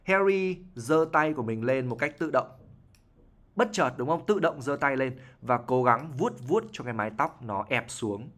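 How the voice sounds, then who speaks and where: A man's voice: mid-range voice, animated, moderate pace, fairly bright tone. A man, an IELTS teacher explaining English words from a novel, often checking in with "right?" and repeating himself. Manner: explanatory, frequent "right?" tag questions and repetitions.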